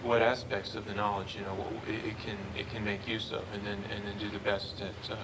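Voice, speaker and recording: A man presenting research and answering questions, halting and often repeating words. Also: lowish voice, level tone. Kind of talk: research talk Q&A. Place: lecture room. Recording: noisy room recording.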